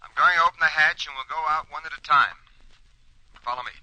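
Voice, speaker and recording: Forceful, clipped rocket commander. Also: male voice, a little high, fast talker, no echo, poor audio. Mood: commanding. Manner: clipped, commanding, matter-of-fact. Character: brisk, level-headed male rocket ship commander. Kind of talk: old radio drama acting. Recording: old radio recording with faint noise.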